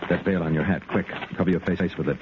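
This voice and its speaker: A man's voice: deep voice, fairly even intonation, fast, noisy background, lightly acted. A man playing a firm adult cavalry lieutenant who also narrates a 1950s radio drama. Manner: firm, commanding. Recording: tinny 1950s radio broadcast.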